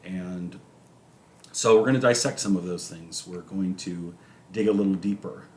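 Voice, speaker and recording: A man co-hosting a recovery podcast, chatting casually and trailing off quietly between phrases. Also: deep voice, normal speed. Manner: trailing off quietly, many fillers. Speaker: podcast co-host. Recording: echoey room with faint noise.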